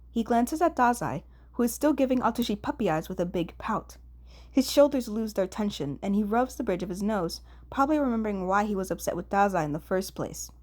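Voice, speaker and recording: A woman reading fan fiction aloud as an expressive audiobook narrator, at a medium pitch.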